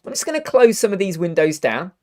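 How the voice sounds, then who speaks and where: A man in his thirties with a croaky voice from a cold, chatting upbeat through a live web design tutorial. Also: high-pitched, big pitch swings, fast talker. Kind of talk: casual live tutorial chat. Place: home studio room with purple lighting.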